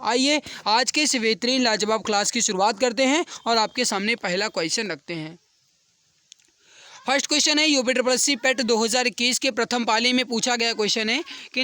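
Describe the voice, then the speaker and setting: A man with a strikingly high, very clean and smooth voice teaches an exam-prep class. He speaks straight to his students and repeats key points, often checking in with short tags. The sound is close and dry. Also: pushed and bright, dry recording. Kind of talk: online exam-prep lesson, explaining quiz questions.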